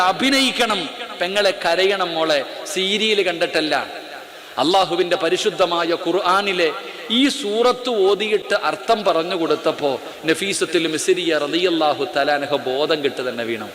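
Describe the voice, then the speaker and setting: A man's voice: high-pitched, a little slow, fairly bright tone. A male Islamic preacher giving a sermon to a live audience in an auditorium, ordering the crowd about and then telling a story with drama. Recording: echoey auditorium with long reverb.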